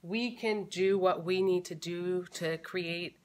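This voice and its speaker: A woman in her thirties talks casually to a camera set close in front of her at home. Her voice sits a little low, and she thinks aloud as she goes, full of fillers and restarts. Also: fairly even intonation, takes it slowly, a little mellow. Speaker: family vlogger. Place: living room at home.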